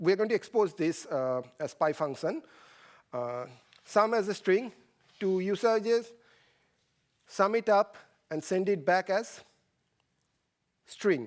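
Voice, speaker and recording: A man with a high pitch and a non-native accent speaks at a very slow pace with lively intonation and long, frequent pauses. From India. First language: not English. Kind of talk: technical conference talk with live demo. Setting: stage with audience in theater.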